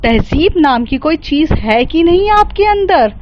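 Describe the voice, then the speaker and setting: Woman voicing a principled young heroine: high voice, scolding, polite phrasing. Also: big pitch swings, unhurried, lo-fi sound, slight background noise. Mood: indignant. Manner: scolding, formal and polite when angry. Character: fierce principled young woman, quick to anger.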